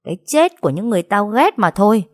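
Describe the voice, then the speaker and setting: A woman's voice: medium pitch, very animated, fast talker, darkish tone, dry recording, clean studio sound, voice pushed up, close to an everyday voice. A woman voicing a cruel, scheming female villain who sneers and hisses threats. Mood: sneering.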